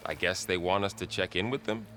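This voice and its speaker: An actor playing an earnest, loyal tribal warrior in a video game, plain-spoken and a little cautious. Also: male voice, low voice, steady tone, fairly quick, pushed and bright, slight background noise. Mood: uneasy. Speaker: game companion character. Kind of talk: naturalistic video game cutscene acting.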